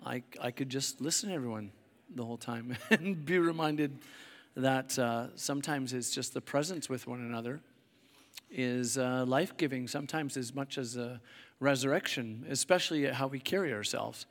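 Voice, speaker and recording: A middle-aged man from Canada, a pastor with a hoarse voice, preaching a sermon in a casual, rambling way with many fillers and restarts. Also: mid-range voice, moderate pace, fairly bright tone. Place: church hall. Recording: long hall reverb.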